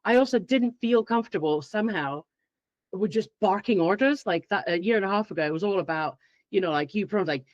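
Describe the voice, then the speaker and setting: Animated woman, dull audio. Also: medium pitch, a little fast, no echo. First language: Finnish. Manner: animated, acts out her own past thoughts. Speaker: guest expert. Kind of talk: podcast interview.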